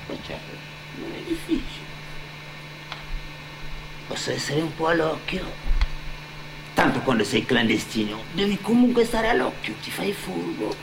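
An actor playing a defiant young immigrant drug dealer in a colloquial theatrical monologue, swearing and throwing out pointed questions. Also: male voice, on the high side, sing-song, unhurried, vocal fry, long pauses, background noise, exaggerated voice. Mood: defiant, matter-of-fact. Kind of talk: theatrical first-person monologue.

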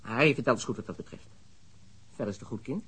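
An actor in a radio drama playing a smuggler who confesses under police questioning, frank and matter-of-fact. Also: male voice, medium pitch, lively intonation, fast, a bit bright, husky. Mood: brazen. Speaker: suspect.

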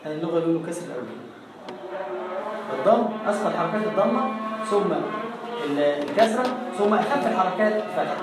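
Egyptian accent, recitation teacher, slow repeated demos, heavy room echo, distant from the mic. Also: mid-range voice, animated, over loud music. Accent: Egyptian Arabic. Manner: recites example words slowly and repeats them to demonstrate. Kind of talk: classroom lesson with recited examples. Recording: echoey room, voice far from the mic.

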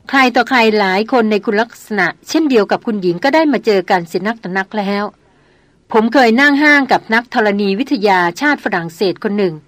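Woman doing a wise old-hand hunter from a storybook, calm and reassuring, slightly high, dry sound. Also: no room sound. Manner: steady, reassuring advice. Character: seasoned male jungle hunter, calm and wise.

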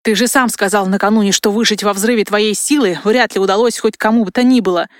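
A woman's voice: mid-range voice, steady tone, fast, no room sound, close to an everyday voice. A woman voicing a furious young male fire mage and marquis, harsh and accusing in a dry, close recording. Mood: stern. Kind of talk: audiobook character reading.

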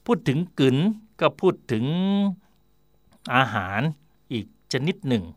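A man hosting a radio talk slot, chatting in a digressive way about where words come from, with fillers and quick self-corrections. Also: medium pitch, expressive, no echo, clean studio sound. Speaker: radio host. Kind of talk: explaining word origins in casual talk.

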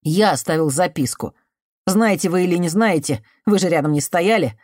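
A woman reading an audiobook voices a desperate young man who answers with bitter sarcasm and often breaks into shouting. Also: lowish voice, lively intonation, moderate pace, dry recording, clean studio sound, voice pushed up.

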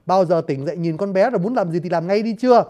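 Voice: mid-range voice, fast talker, mellow, lightly acted. A narrator putting on a grumbling mischievous forest sprite. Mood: scolding.

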